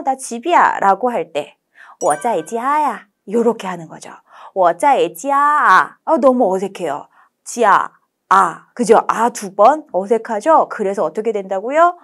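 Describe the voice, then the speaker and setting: Lively woman teaching a language lesson. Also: mid-range voice. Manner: lively, coaxing, playful with acted examples.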